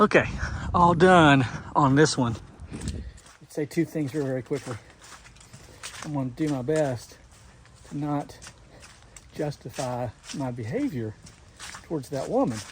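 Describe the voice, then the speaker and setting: Swinging widely in loudness, a man speaks at a moderate pace and fairly high pitch with long, frequent pauses over noticeable background noise. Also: ordinary pitch variation. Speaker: pressure washing business owner. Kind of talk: casual vlog talk.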